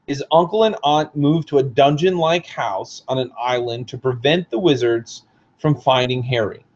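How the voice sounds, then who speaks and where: A hoarse man, the book's author, reads passages aloud from his own book and explains them with casual asides. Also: medium pitch, normal speed, darkish tone, dull audio.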